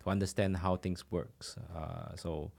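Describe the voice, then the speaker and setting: A man's voice: deep voice, steady tone, unhurried, a little mellow. A man from Singapore, a podcast guest, talking hesitantly with many fillers. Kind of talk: conversational interview.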